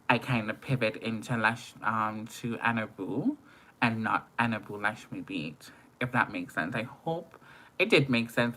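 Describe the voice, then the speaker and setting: A man with an Antiguan accent talking casually on a livestream as a makeup artist, informal and expressive, repeating phrases for emphasis. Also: on the low side, poor audio. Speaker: makeup artist and live streamer.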